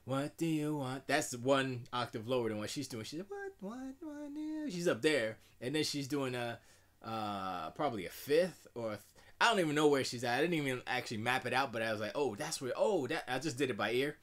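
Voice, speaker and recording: A middle-aged man with a deep voice, chatting casually and rambling in a self-deprecating way while streaming from his home music studio. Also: sing-song, a little fast, a bit bright. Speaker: music producer streaming live. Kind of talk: casual live-stream chat.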